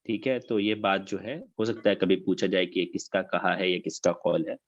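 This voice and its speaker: Low-voiced teacher. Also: male voice, steady tone, lo-fi sound. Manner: explains, repeats key facts and dates. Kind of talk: online class discussion.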